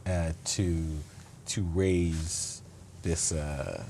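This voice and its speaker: A man's voice: low-pitched, fairly even intonation, extremely slow, warm tone, a little hiss or hum. A man speaking as an interview guest, earnest and reflective, often restarting his sentences. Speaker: guest, state attorney. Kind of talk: conversational interview.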